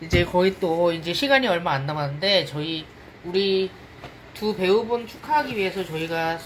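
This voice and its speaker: A woman's voice: fairly low pitch, moderate pace, a little hiss or hum, poor audio. A woman hosting a casual livestream, cheerfully announcing an event to viewers. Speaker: livestream host.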